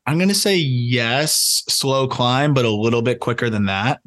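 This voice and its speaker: A man's voice: mid-range voice, normal speed, a bit bright. A man co-hosting a podcast, talking animatedly in casual chat, often laughing and restarting his sentences. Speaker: podcast co-host, prospect analyst.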